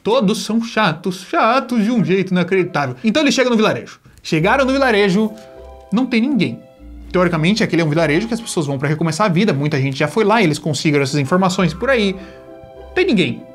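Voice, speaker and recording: A man's voice: high voice, animated, fast talker, faint music behind. A man with a Brazilian accent recapping an anime in an exasperated, sarcastic way, acting out the characters' lines. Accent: Brazilian Portuguese. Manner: exasperated, sarcastic storytelling with acted-out quotes. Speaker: anime review host.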